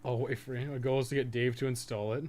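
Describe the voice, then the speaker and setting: A man streams a video game in an average-pitched voice, chatting casually with viewers. He swears and jokes as he plays, with clearly audible noise and game ambience behind him. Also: flat delivery, fast talker, a little mellow. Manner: profane, joking. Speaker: live streamer, podcast co-host.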